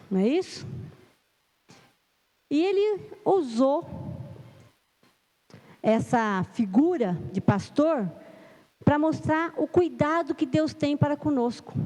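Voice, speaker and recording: A woman's voice: fairly high pitch, warm tone. A middle-aged Brazilian woman giving a sermon in church, nervous at the start, then earnest and emphatic. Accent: Brazilian Portuguese. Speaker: lay preacher. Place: church hall. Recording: long church-hall reverb.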